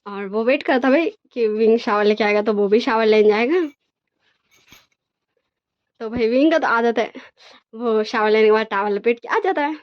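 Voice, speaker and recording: A woman retells a fan fiction story in a casual, chatty way and keeps talking straight to her listeners. Her voice sits slightly high. The recording is dry and a little dull. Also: normal speed, long pauses, no room sound.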